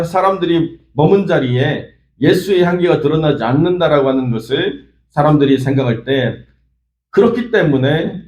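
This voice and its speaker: A man's voice: a little high, dark tone, reverberant, low-quality recording. A man preaching an early-morning sermon as pastor, telling a story in an earnest way with frequent small fillers. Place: church sanctuary.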